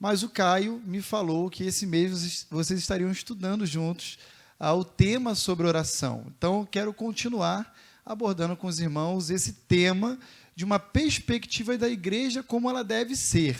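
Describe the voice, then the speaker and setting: In a Carioca accent, the speaker talks at a moderate pace with ordinary pitch variation on a very clean recording with a silent background. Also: man, high pitch for a man. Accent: Carioca (Rio) Portuguese. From Rio de Janeiro, Brazil. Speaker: pastor. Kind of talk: sermon.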